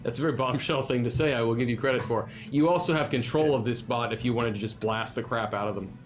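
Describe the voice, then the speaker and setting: A man's voice: mid-range voice, fast. A man narrating a tabletop game as game master, loose and chatty, with lots of "um"s and laughs. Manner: casual, filler-heavy narration with laughs. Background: music.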